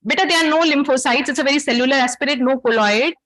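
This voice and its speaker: High-voiced South Asian woman lecturing. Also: quick pace, fairly bright tone. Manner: didactic, questioning the audience. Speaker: medical lecturer. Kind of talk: interactive academic case-based lecture.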